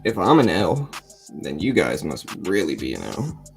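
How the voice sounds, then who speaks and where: A middle-aged man with a raspy morning voice, chatting casually as a livestream host in a joking, self-deprecating, rambling way. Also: wildly swooping pitch, normal speed, soft background music. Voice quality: deep morning voice. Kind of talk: casual live trading commentary to chat.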